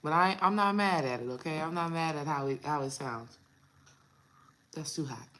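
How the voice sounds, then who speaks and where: A woman in her thirties with a raspy, low morning voice, talking casually to her viewers as a spiritual coach. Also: heavy background noise. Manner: chatty, addresses viewers as y'all, drawn-out pauses. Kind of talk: casual vlog talk to viewers.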